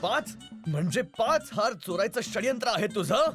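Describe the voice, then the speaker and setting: A man's voice: sits high, big pitch swings, moderate pace. A man playing a hot-tempered, pompous army commander who barks orders and threats in a children's cartoon story. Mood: accusing, threatening. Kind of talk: animated children's moral story voice acting. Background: music.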